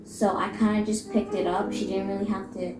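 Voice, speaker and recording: A woman's voice: medium pitch, flat delivery, a little fast, echoey room, over music. A young woman with a Canadian accent, chatting casually in a vlog, with lots of "like" and "you know.". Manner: casual, filler-heavy with lots of "like". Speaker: vlogger. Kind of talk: casual chat.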